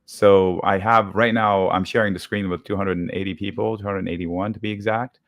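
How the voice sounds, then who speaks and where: A man who sounds a bit under the weather, giving a brisk step-by-step walkthrough of his options trades as a guest on a live market show over a video call. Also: sits low, steady tone, dry recording. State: deep voice from a cold.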